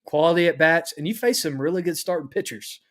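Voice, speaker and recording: A man co-hosting a casual sports podcast, talking in a measured, agreeable way. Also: fairly high pitch, lively intonation, a bit bright. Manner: measured, agreeable, many "uh" fillers.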